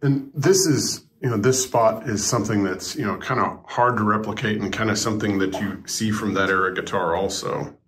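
A man's voice: on the low side, normal speed, fairly bright tone. A male show host asking curious, rambling questions from behind the camera in a small backstage room. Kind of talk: interview questions. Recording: roomy room, faint noise.

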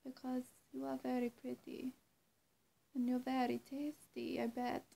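Young woman playing a slow, high-voiced coy vampire. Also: little pitch movement, creaky, warm tone, full character voice. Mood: coy, vain. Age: young adult. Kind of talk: roleplay addressed to the listener. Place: small bright bedroom, indoors. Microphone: camera mic at arm's length or closer.

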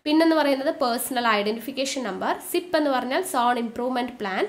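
A woman with a Malayali accent and a fairly high voice teaches a recorded exam-prep lesson. She asks questions and answers them herself, and slows down to repeat key terms.

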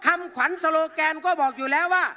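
A man's voice: very high voice, fairly quick, bright, forceful tone. A man giving a fiery, mocking political speech on an outdoor rally stage, speaking into a stage microphone and addressing the crowd directly. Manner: combative, mocking, addresses the crowd as brothers and sisters.

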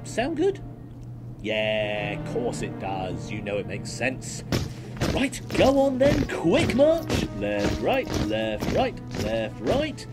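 A villainous renegade Time Lord acted by a man in a sci-fi audio drama. He is mocking and insinuating, savouring words slowly and swooping extravagantly across his range. Music plays behind him. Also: on the low side, wildly swooping pitch, heavily acted. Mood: wheedling, cocky.

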